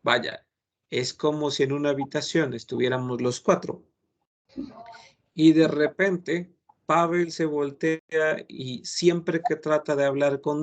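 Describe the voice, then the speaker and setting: A man's voice: fairly high pitch, gravelly. A man, a French teacher lecturing his class in an earnest, admonishing way, giving many examples.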